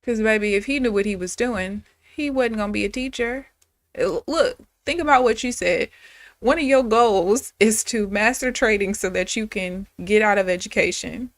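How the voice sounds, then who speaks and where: A woman's voice: medium pitch, normal speed, no room sound. A woman in her thirties, a day trader chatting candidly and casually with viewers on a live stream. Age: 30s.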